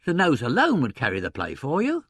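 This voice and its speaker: A man voicing a hectoring, stout theatrical agent in an audiobook, bellowing in an excitable, brusque way. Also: on the high side, unhurried, dry recording, pitched above the performer's own voice, heavily acted. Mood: excited, triumphant.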